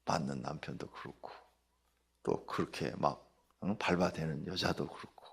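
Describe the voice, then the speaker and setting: A man's voice: a bass voice, normal speed, vocal fry, fairly bright tone, slightly rough. A middle-aged man, a pastor, preaching a dawn-service sermon, telling stories and asking the congregation rhetorical questions.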